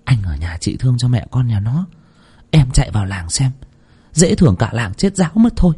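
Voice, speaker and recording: A man's voice: mid-range voice, big pitch swings, a little fast, warm tone, husky. A man voicing a brusque, cursing older village woman healer in a spoken horror story. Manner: scolding, cursing, barking orders.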